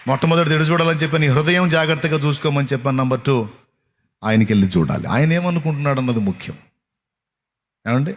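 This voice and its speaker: A man's voice: fairly high pitch, fast, long pauses, slight background noise. A man preaching a sermon to a congregation, emphatic and repetitive, firing rhetorical questions. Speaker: pastor.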